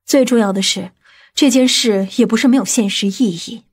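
A woman playing a stern, commanding woman from a powerful family in an audiobook drama, speaking gravely and deliberately. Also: on the high side, a little mellow. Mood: grave, persuading.

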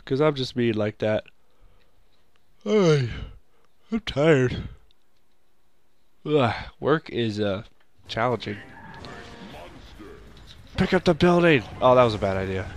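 A young man with a stuffy nose from a cold, rambling through casual let's-play commentary and shouting at the game now and then. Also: medium pitch, very animated, slow, pauses often. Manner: rambling, makes sound effects and shouts at the game.

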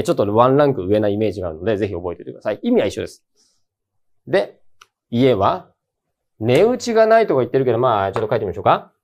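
Lively Japanese man teaching English grammar. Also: mid-range voice. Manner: lively, colloquial, emphatic. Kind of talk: casual exam-prep lecture.

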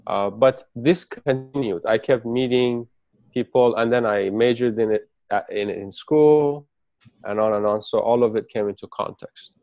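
A man from Persia, raised in the Emirates and speaking Farsi as his first language, gives a halting spoken account with many restarts as an interview guest on a video call. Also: mid-range voice, darkish tone, no room sound. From Persian, raised in the UAE.

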